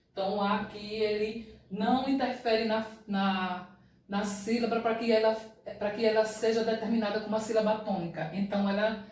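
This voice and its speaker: A woman's voice: mid-range voice, darkish tone. A female schoolteacher from Brazil giving a recorded grammar lesson, explaining step by step and checking in with her pupils. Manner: explains slowly, checks in with "certo?". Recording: very echoey room, voice far from mic.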